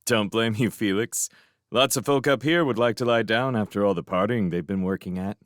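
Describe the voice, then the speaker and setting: A man's voice: normal speed, dry recording, clean studio sound, lightly acted. A man voicing a female soldier who giggles and chats, then cries out in terror as the ground shakes. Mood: chatty. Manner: giggly, then shrill panicked screaming. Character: female soldier Showen (Canada), chatty then terrified.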